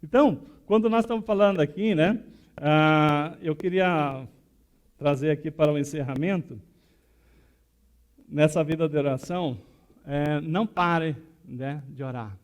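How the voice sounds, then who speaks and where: A man with a high-pitched voice preaches to his congregation. He talks in an easy storytelling way and keeps checking in with short tag questions. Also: a little slow. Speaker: pastor. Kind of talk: sermon.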